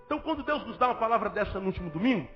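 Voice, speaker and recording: Very high-voiced Brazilian pastor preaching. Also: male voice, expressive, racing. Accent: Brazilian Portuguese. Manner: emphatic, rhetorical questions, repetition. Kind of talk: sermon. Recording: dull lo-fi audio with faint music.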